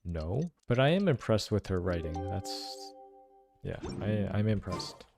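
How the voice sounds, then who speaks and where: A man's voice: sits low, animated, a little slow, vocal fry. A young man giving casual, slangy, musing reaction commentary on a game. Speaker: gameplay reaction host. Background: game music.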